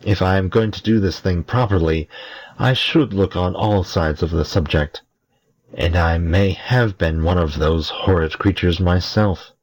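A man's voice: deep voice, a little slow, poor audio. A man reading an earnest old Bee-Man. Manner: earnest, plain-spoken.

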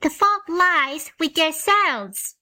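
A woman voicing a bold, bossy little girl in a storybook reading, with a high, insistent voice. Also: sing-song, slow pace, bright, forceful tone, heavily acted. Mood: scolding.

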